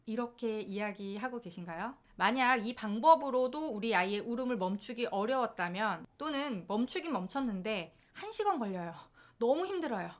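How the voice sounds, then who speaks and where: A woman parenting coach explaining step by step and acting out short quoted lines. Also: on the high side. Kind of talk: parenting advice talk to camera.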